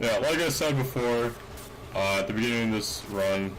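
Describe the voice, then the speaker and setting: A man's voice with ordinary pitch variation, music in the background and audible room echo. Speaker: gaming streamer. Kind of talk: gameplay commentary. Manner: casual, rambling with fillers. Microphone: mic audio gets loud, bad audio.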